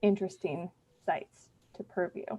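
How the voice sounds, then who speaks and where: A woman's voice: fairly low pitch, fairly even intonation, moderate pace, warm tone, breathy edge, lo-fi sound. A young woman telling a wry comic story from an improv stage, laughing at her own tale. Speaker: improv monologist. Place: theater stage.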